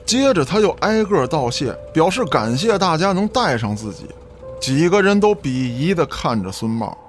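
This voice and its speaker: A man's voice: fairly high pitch, very animated, moderate pace. A man narrating a scripted audio drama as a storyteller, in a dramatic reading style. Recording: background music under the voice.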